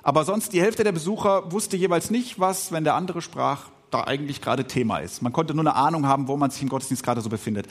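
A middle-aged man, a pastor who grew up speaking Swiss German, giving a reflective podcast sermon with pauses and filler sounds. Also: a little high.

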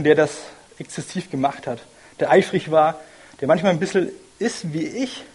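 A man's voice: a little high, darkish tone, slightly rough. A young man giving an informal, personal sermon, earnest and thinking aloud as he goes. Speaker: lay preacher.

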